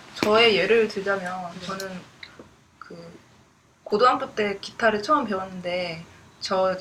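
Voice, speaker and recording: Over noticeable background noise, a woman talks at a fairly slow pace with medium pitch and ordinary pitch variation. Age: 20s. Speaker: video content designer. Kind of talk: casual chat.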